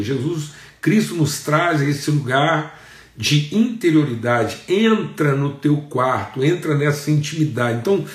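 A Brazilian man preaching a sermon as pastor, with repeated phrases and emphatic rises in pitch. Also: roomy sound. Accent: Brazilian Portuguese.

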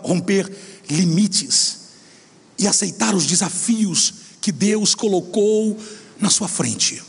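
A middle-aged man preaching a sermon, telling a story with lively acted-out dialogue. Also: on the high side, vocal fry, husky. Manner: animated storytelling, acts out dialogue. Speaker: pastor. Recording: long hall reverb.

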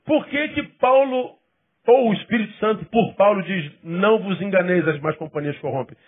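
A male pastor preaches a sermon with a fairly high, husky voice. He leans hard on key phrases, then falls to soft, low asides. The recording is thin and phone-like. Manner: emphatic preaching with sudden drops to quiet, low asides; acts out quoted people in quick bursts.

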